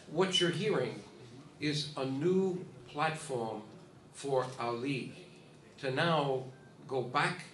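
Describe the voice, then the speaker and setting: A man's voice: fairly high pitch, a bit bright. Emphatic male ceremony speaker, off the cuff, recorded from afar in a roomy hall with faint hiss. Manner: emphatic, repeats himself, talks to the audience. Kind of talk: informal speech at a ceremony. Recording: echoey hall, distant mic, faint hiss.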